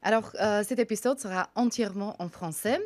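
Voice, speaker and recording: A woman's voice: medium pitch, fairly quick, darkish tone, no room sound. Woman hosting, dry studio sound. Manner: polite, welcoming. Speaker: talk show host. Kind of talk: radio interview.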